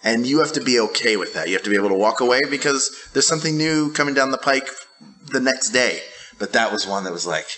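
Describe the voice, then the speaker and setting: A man's voice: mid-range voice, low-quality recording. A man who works as a voice actor, chatting playfully and joking on a panel. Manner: playful, quick jokes, animated. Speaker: voice actor guest. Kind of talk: casual panel chat.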